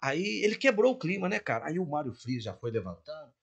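Lively older Mineiro man telling stories. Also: a little high, brisk, creaky. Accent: Mineiro (Minas Gerais). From Minas Gerais, Brazil. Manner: animated, acts out every line of dialogue. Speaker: guest singer. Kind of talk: podcast storytelling.

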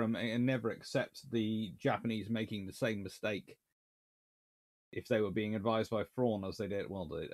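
A man in his thirties hosting a casual livestream from his home study, reading out viewer comments and rambling through answers with restarts. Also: on the low side. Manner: rambling, animated, with many restarts and fillers. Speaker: naval history livestream host. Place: small home study with shelves of books.

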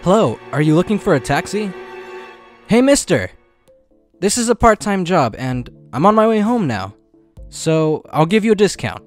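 A man voicing a confident, pushy teenage boy hustling rides in a comic fan dub, brisk and salesman-like. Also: high voice, sing-song, faint music behind. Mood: eager, pitching.

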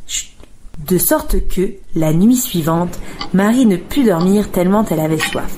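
A woman narrating a children's tale in a calm, expressive storybook reading. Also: lowish voice, measured pace, a little hiss or hum. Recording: radio studio with music bed.

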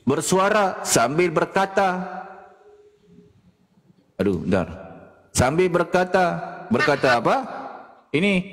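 A man holding forth in a mocking live-stream discussion, laughing often and taunting his listeners. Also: a little high. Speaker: debater in an online faith discussion. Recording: echoey with loud background noise.

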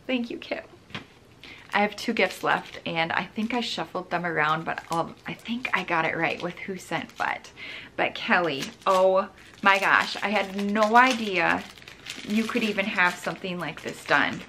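A woman's voice: mid-range voice, bright, forceful tone, a little hiss or hum. A woman in her thirties chatting casually in a family vlog, talkative and emotional, often close to tears. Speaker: family vlogger.

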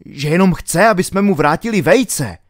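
A frightened, panicking man in an audiobook thriller pleads and yells in a high, strained voice, as a male narrator puts him on. His voice is pushed well above its usual pitch, dry and close. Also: lively intonation, no echo. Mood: nervous pleading. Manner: shrill, pleading, yelling.

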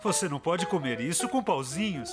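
Cartoon dad played by a man, Brazilian accent, lively and easygoing, loud music behind. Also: fairly high pitch, fairly quick, close to an everyday voice. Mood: amused. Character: good-humoured, easygoing father of a young girl. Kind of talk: children's cartoon dub.

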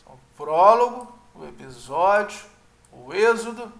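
A man's voice: high voice, animated, a little slow, roomy sound. A man teaching an informal online lesson, hedging and tagging his sentences with questions, and thinking aloud with restarts. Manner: informal, hedging, frequent "né?" tags. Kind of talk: casual online lecture.

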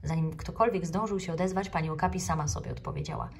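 Brief: actress narrating a kids' book, measured and clear, lower voice, slightly distant mic. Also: female voice. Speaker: actress reading a children's book. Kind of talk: storybook reading aloud.

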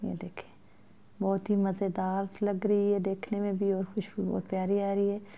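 A woman cooking in her home kitchen, calmly explaining each step of a recipe to her viewers as she stirs at the stove. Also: medium pitch, normal speed, vocal fry. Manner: calm, instructive, addresses viewers directly. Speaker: cooking vlogger.

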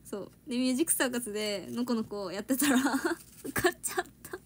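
A woman's voice: a little high, expressive, brisk, slight background noise. A young woman chatting casually on a livestream, giggling and answering viewers' comments. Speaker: idol trainee livestreaming to fans.

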